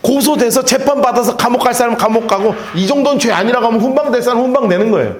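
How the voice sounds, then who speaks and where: A male pastor preaching a sermon in a church. He shifts between loud emphasis and hushed storytelling, and he has the congregation repeat phrases after him. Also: very high voice, fast, a little hiss or hum. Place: church sanctuary. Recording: echoey church sanctuary.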